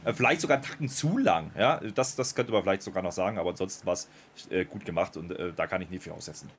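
A man reviewing a wrestling show in casual podcast chat, thoughtful, with many pauses and restarts. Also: deep voice, a little hiss or hum.

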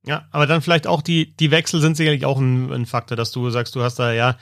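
A man's voice: medium pitch, little pitch movement, quick pace, no echo, clean studio sound. A man, thinking aloud and listing examples in a casual sports podcast chat.

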